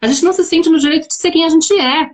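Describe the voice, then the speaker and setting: A woman's voice: very high-pitched, fast. A woman in her thirties, a mother and guest on a live video chat, speaking earnestly and acting out talks with her daughter. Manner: earnest, animated, acts out dialogues with her daughter. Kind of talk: live conversation.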